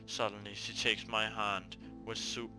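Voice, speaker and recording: A man's voice: on the low side, level tone, a little slow, music in the background. A man hosting a gaming video, reading a visual novel aloud with casual commentary, often stumbling and repeating words.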